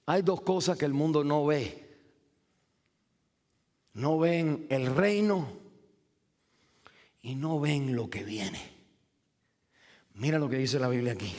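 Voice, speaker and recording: A man preaching a sermon, building to shouts when he reads scripture. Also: a little high. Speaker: pastor. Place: church sanctuary. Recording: reverberant church hall.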